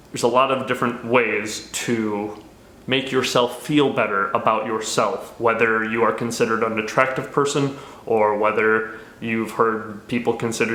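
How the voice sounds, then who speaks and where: A man speaks at a medium pitch and moderate pace, his intonation monotone and flat. There is audible room echo and noticeable background noise. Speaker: street magician and YouTuber. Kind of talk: casual vlog advice talk. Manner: mumbling, stumbling over words.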